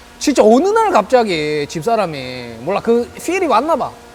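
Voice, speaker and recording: Amid noticeable background noise, a man speaks at a very slow pace with an extremely high pitch and very wide pitch swings. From Busan, South Korea. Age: 40s. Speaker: office worker. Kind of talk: casual vlog talk to camera.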